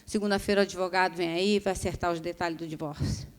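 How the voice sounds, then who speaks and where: A woman voicing a husband who announces he is leaving, speaking in a quiet, matter-of-fact way. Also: lowish voice, steady tone, fast, pitched below the performer's own voice, lightly acted. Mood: cold. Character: calm, cold husband leaving his wife.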